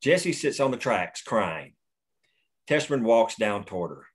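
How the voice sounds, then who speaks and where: A man's voice: medium pitch, big pitch swings, a little slow, husky. A man plainly reading the action lines and stage directions at a screenplay table read.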